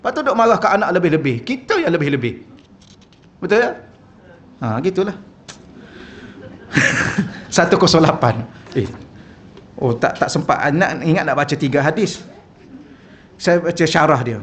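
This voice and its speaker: A man's voice: fairly high pitch, expressive, moderate pace, pauses often, a bit bright. A man with a Malaysian Malay accent giving a humorous, conversational religious lecture in a mosque hall, often asking the audience questions. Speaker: religious teacher. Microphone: wireless microphone.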